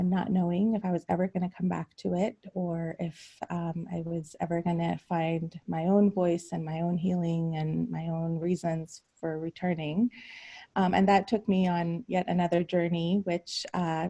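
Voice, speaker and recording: A woman in her forties from Iran, a psychiatrist telling her life story on a video call, hesitant with many pauses and ums. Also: on the low side, gravelly, dark tone. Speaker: psychiatrist guest speaker.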